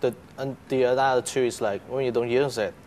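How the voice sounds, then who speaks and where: A man's voice: medium pitch, steady tone, fairly quick, darkish tone. A young man, a student guest, answering interview questions casually, with fillers and laughs. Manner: chatty, laughs, uses fillers. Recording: faint background noise.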